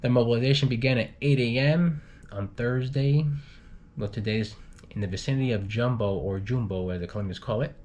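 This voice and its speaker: Low-voiced man reading news, noisy recording. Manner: halting, stumbles and repeats words while reading. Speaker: news reader for an expat community channel. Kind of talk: informal reading of news items with commentary. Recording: clearly noisy home recording with low rumble.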